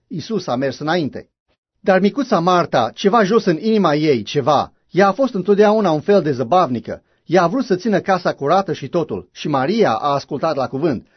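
A man's voice: fairly high pitch, expressive, breathy edge, no room sound. A man preaching a sermon in a fervent, emphatic way, with frequent exclamations. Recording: dull lo-fi recording.

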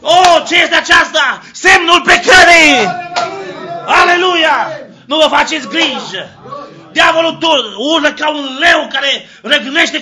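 A man preaching a fiery sermon, shouting exclamations of praise and asking questions he answers himself, dropping now and then into low, quiet passages. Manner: shouting exclamations of Hallelujah, call-and-response questions. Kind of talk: fiery Pentecostal-style sermon.

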